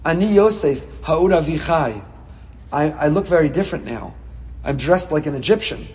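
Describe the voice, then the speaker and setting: A man giving a Torah class as a rabbi, reading Hebrew texts and explaining them with passion, swinging between soft and loud. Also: on the high side, animated, moderate pace, long reverb tail. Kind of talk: Torah class on the weekly portion.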